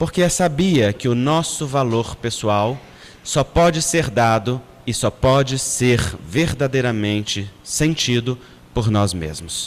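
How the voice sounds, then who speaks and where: Here a man talks at a medium pitch. His pace is very slow, and his intonation is lively. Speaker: spiritist lecturer. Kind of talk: lecture. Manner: deliberately slowed pace.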